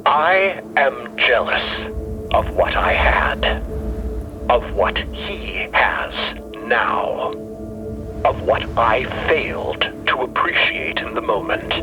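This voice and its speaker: An actor playing a bitter, jealous, brooding male explorer in an audio drama, musing and halting as he talks. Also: medium pitch, very animated, over music, low-quality recording. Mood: bitter envy. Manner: halting, musing, self-reproachful. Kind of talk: audio drama character acting.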